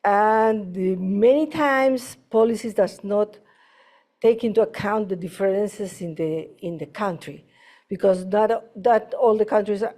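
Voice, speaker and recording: A woman with a Peruvian Spanish accent gives impromptu feedback at a conference. Her voice is soft-edged and mellow at a medium pitch, and her non-native English is halting, often searching for the word. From Peru. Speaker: health project worker giving feedback at a conference. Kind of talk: impromptu comment at a conference session.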